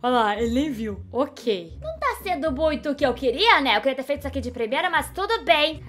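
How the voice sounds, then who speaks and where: A young Brazilian woman with a Brazilian Portuguese accent, narrating a stealth game in excitable, panicky running commentary to herself. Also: high voice, quick pace. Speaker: gaming YouTuber. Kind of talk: let's-play commentary.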